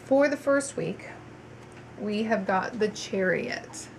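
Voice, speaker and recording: A woman's voice: mid-range voice, takes it slowly, gravelly. Brief: woman tarot reader, congested and nasal, chatty with ums, faint noise behind. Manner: chatty, with frequent ums and restarts. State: stuffy, congested. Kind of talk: monthly tarot reading to viewers.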